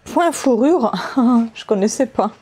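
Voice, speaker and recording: A woman with a Russian accent, a native Russian speaker, chatting casually and a little haltingly as she thinks aloud for a craft vlog. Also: fairly high pitch, lively intonation, dark tone, husky. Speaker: craft vlogger. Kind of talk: casual unboxing chat while leafing through a book.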